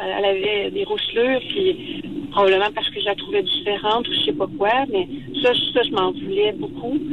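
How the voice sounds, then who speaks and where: A woman's high voice in a Quebec accent, very wide pitch swings, a fairly quick pace and noticeable background noise. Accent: Québécois French. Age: 40s. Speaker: caller. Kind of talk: phone-in confession. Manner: halting.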